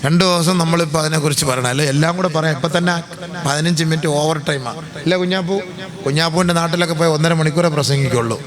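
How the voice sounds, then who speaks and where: A man preaching an Islamic sermon to a live gathering, moving from slow sing-song pleading to easy chatty asides. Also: fairly high pitch. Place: gathering before a live crowd. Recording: crowd noise in the background.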